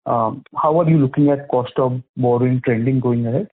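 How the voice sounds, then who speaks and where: A man's voice: steady tone, fairly quick, slightly rough. An Indian-accented man asking questions as an analyst on an earnings call, phrasing them in a hesitant, roundabout way. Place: telephone conference call. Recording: muffled, low-fi conference phone line.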